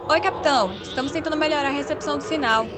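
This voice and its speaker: A woman's voice: high voice, very fast, over loud music, lightly acted. An actress playing a cautious, technical female spaceship crewmate in an audio drama. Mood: worried.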